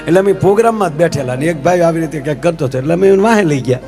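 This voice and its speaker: Male folk comic, high voice, chatty stage storytelling with music behind. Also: expressive, very fast. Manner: chatty, addresses the audience as "sir", rhetorical questions.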